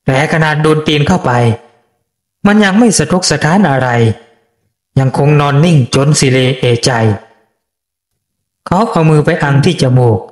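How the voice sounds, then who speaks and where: Guy reading a bedtime ghost story, dramatic, bit high, roomy echo. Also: a little slow, long pauses. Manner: dramatic storytelling with coarse rural dialogue. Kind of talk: scripted bedtime story narration, voicing characters.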